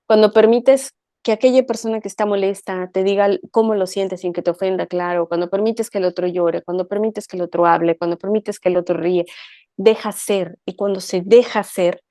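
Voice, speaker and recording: Warm, dry-toned woman musing on emotions. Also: mid-range voice, dry recording. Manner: reflective, uses frequent tag questions. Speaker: co-host. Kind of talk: conversational talk show discussion.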